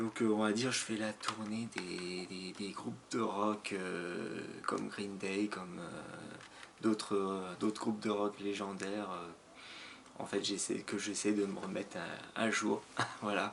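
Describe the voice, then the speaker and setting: Soft-spoken and monotone, a man with a fairly low pitch speaks at a very slow pace with flat intonation. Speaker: ASMR creator, guest. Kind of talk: ASMR soft-spoken chat. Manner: soft-spoken, hesitant.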